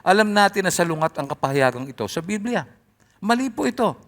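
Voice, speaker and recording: Male pastor, sermon, animated, voice often rising loud, somewhat high, lively pitch. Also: brisk.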